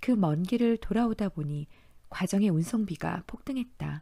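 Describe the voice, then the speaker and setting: A woman speaks at a fairly slow pace in a calm, soothing tone that is dark and mellow. The recording is very clean, with a silent background. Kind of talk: audiobook reading.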